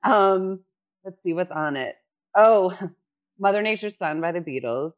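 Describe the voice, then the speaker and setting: A middle-aged woman from New York City, an actor, chatting casually as a podcast guest, animated and quick to laugh, often restarting her sentences. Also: lowish voice, dull audio. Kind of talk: casual chat.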